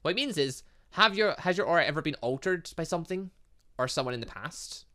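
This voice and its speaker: Man playing an older male scientist, formal, polite, halting explanations, visual novel game dialogue, bright tone. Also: fairly high pitch, lively intonation. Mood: polite, explanatory.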